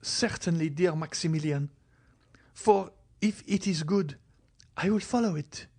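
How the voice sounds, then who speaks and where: A man's voice: on the high side, measured pace, darkish tone. A man reading a novel aloud, voicing a desperate young woman who pleads and cries out. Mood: pleading.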